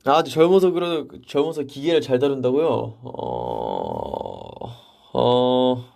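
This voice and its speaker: Relaxed young man chatting on livestream. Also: medium pitch, slow pace, creaky. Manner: reads viewer comments aloud and answers in a relaxed, chatty way. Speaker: idol livestream host. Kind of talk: casual livestream chat answering viewer comments. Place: vocal practice room.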